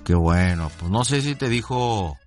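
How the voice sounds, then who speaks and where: A man's voice: lowish voice, animated, a little slow, darkish tone, faint music behind, voice pushed down. A man with a Mexican accent playing a slangy, pushy used-car dealer on a prank phone call. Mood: friendly prying. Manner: chummy, slangy, pushy questioning. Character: smooth-talking male used-car dealer, adult.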